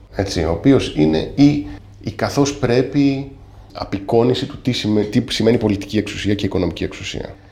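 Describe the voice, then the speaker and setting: Somewhat breathy, a man speaks at a fairly low pitch in a dark, mellow tone. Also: ordinary pitch variation, moderate pace. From Greece, Athens. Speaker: writer. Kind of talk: interview.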